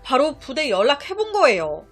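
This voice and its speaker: Woman storyteller, high-voiced, animated crime narration. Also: moderate pace, soft background music. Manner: chatty, expressive, conversational asides. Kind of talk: dramatized true-crime narration.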